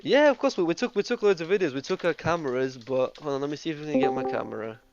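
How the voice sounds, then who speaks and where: A man's voice: on the high side, animated, quick pace, lo-fi sound, noisy background. A man from Russia, host of a Christian debate group, talking eagerly in a casual voice chat with many restarts and fillers.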